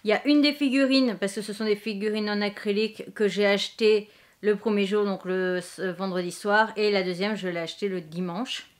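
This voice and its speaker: A woman's voice: mid-range voice, steady tone, a little fast. Chatty young French woman vlogging. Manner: chatty, rambling, many fillers. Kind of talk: casual haul vlog. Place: bedroom in front of a bookshelf.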